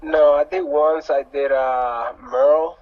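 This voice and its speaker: A man's voice: mid-range voice, takes it slowly. A young man from New Jersey, an easygoing guest calling in on a phone held close. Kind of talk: casual chat. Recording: muffled phone call.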